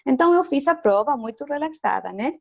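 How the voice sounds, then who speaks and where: A woman's voice: high voice, expressive, fairly quick, vocal fry, dull audio. A woman from Chile with a Chilean Spanish accent and Spanish as her first language, speaking Portuguese carefully and hesitantly as an interview guest, laughing often. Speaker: interview guest, education lecturer. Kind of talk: casual video call interview.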